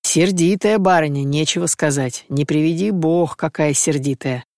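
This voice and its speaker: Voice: mid-range voice, normal speed, a little mellow, no room sound, studio quality, natural voice. A reader doing a humble gypsy chieftain. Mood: deferential. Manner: deferential, homely, folksy. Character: humble middle-aged male gypsy chieftain.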